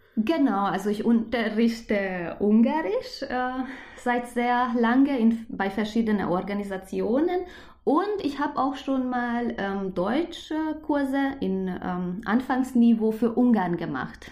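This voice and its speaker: A woman with a Hungarian accent speaks at a very slow pace and a fairly high pitch, with lively intonation. Audible room echo surrounds her voice. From Hungary. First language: Hungarian (speaking German). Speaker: children's book author. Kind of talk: interview. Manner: halting.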